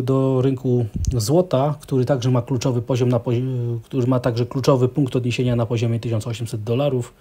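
A man giving measured market commentary over charts as an analyst, with frequent hesitations. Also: medium pitch, mellow, husky.

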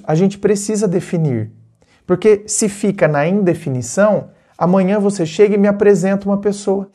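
A man with a Brazilian accent talking directly to viewers as a relationship advice coach, animated, acting out short bits of dialogue. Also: high-pitched. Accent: Brazilian Portuguese. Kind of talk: casual advice monologue to viewers.

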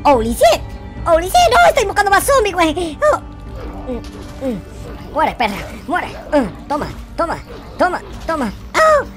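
A naive little gamer boy acted out by a man with a Latin American accent, very high and dramatic. The pitch swoops around in a whiny, exclamatory way, as in an excitable game roleplay. Music plays clearly behind the voice. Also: a little slow, full character voice. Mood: frantic. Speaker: gaming YouTuber. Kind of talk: excitable gameplay roleplay commentary.

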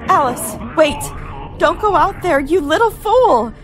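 A young woman playing a tense, scolding college girl trying to stay sensible, in a halting, emphatic suspense radio play style. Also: very high-pitched, animated. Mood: alarmed, scolding. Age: young adult. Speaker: radio drama actor. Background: music.

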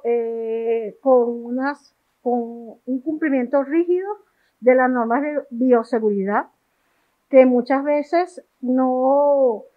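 A woman interviewed for a news report, speaking haltingly with many restarts. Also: on the high side. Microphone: handheld reporter mic. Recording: tinny phone-like sound.

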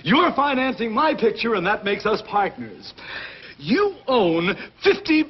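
An actor playing a smooth, scheming fake Hollywood actor who talks in a glib, theatrical, hammy way. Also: male voice, high-pitched, very animated, measured pace. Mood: sly. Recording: dull 1960s TV audio with laugh track and hiss.

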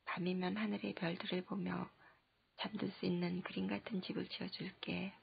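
A woman reading the lines of a gentle, patient young father in soft, half-whispered answers, on a dull lo-fi recording. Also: fairly low pitch, little pitch movement, moderate pace, creaky, a little hiss or hum. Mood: tender.

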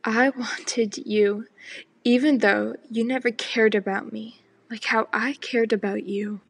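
Teen girl for spoken word, husky with a gravelly edge, slow and deliberate delivery. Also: a little high, steady tone. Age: teens. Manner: slow and deliberate, partly whispered.

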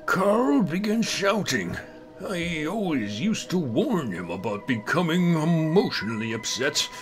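A man voicing a sneering, gloating old doctor in a dramatic horror comic reading, with a theatrical, drawn-out delivery. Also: a little high. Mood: feigned grief. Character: sneering, gloating old doctor who poisoned his friend.

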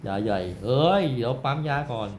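A man giving loud, rowdy live commentary while playing a shooter game, swearing and yelling during fights. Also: medium pitch, a little fast. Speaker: gameplay streamer. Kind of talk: casual live gameplay commentary. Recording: echoey room with faint game noise. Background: gunfire from the game.

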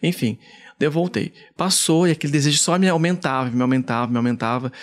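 A man from Brazil, a podcast guest, casually telling a personal story in an animated way, repeating words. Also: a little high, quick pace. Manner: animated, frequent fillers and self-repeats.

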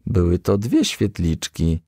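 A man narrating a children's storybook as a gentle, lively storyteller. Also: sits low, slow pace, dry recording, studio quality.

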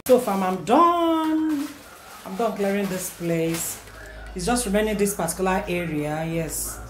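Chatty Nigerian mom vlogging at home. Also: female voice, fairly low pitch. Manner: chatty, repeats herself, playful bursts of self-praise. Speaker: vlogger and mother. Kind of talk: casual home vlog narration. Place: small home kitchen indoors. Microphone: camera on tripod. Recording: noisy home camera recording.

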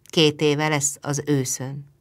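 A woman's voice: low-pitched, little pitch movement, natural voice. A woman reading the lines of a friendly, teasing male chimney sweep in his thirties, widowed. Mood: earnest. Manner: friendly, joking.

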